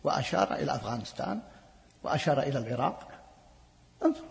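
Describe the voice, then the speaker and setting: Man preaching quick and high, answers questions, gets emphatic, long echo from the hall. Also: lively intonation, vocal fry. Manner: emphatic, builds to forceful invocations. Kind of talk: religious lecture with audience questions.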